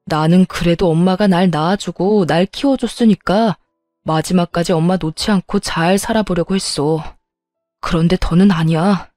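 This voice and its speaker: A woman's voice: on the low side, normal speed, no room sound, clean studio sound, soft background music, natural voice. A woman voicing a furious grown son who reproaches his mother and coldly breaks ties with her, in a scripted story. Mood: resolved. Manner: shouting reproach, then cold resolve.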